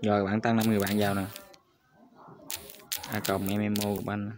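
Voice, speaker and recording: A man's voice: on the low side, completely flat delivery, fairly quick, noisy background. A man hosting a screen-recorded crypto tutorial, talking viewers through each step and repeating his address to them constantly. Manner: repetitive, addresses viewers constantly as "các bạn".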